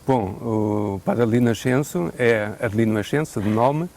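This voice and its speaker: Man, European Portuguese accent, missionary priest, gravelly voice, measured and reflective, faint hiss behind. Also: mid-range voice, a little mellow. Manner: measured, thoughtful, with hesitant fillers and a dry joke now and then. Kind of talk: unscripted interview answers.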